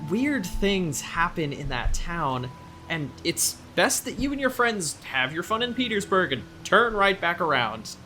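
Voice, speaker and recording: A woman playing a casual, blunt small-town local in an audio drama, speaking in a halting, animated way. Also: on the low side, a little hiss or hum, exaggerated voice. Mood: ominous, scornful. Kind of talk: audio drama, naturalistic dialogue.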